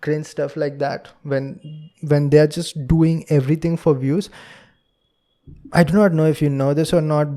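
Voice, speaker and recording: A man's voice: a little high, dark tone. Earnest Indian-accented man lecturing. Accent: Indian English. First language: Hindi. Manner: earnest, lecturing, acts out quotes in a raised voice. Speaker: podcast host. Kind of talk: solo podcast monologue.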